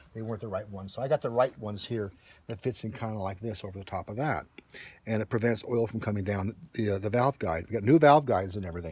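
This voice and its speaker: A man's fairly low, somewhat breathy voice at a very fast pace, with ordinary pitch variation. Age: 60s. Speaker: mechanic. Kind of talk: casual chat. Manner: halting.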